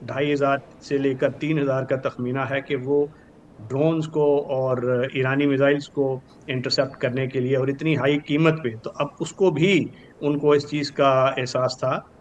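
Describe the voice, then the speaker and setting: An older man with a Pakistani accent gives formal, measured news analysis as a guest expert, dropping in English terms. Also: medium pitch, flat delivery. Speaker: retired brigadier, news analyst. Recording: clearly noisy with background ambience.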